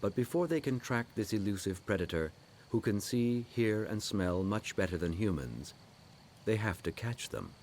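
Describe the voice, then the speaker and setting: A man's voice: fairly low pitch, animated, moderate pace, darkish tone, slight background noise. A man reading scripted narration for a nature documentary.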